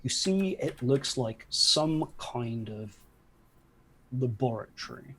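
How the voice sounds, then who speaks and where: A young man runs a tabletop game as its game master, describing scenes in an informal, explanatory way. His voice is mid-pitched, recorded at home with faint noise behind it. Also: lively intonation, slow, a bit bright, poor audio. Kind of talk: casual improvised narration of a tabletop game. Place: indoor room at home, on a video call.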